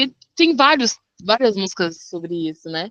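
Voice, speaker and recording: Against a quiet background, a woman's bright, sharp tone moves through very wide pitch swings at a fairly slow pace, the sound dry and close with no echo. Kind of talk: casual chat. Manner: halting.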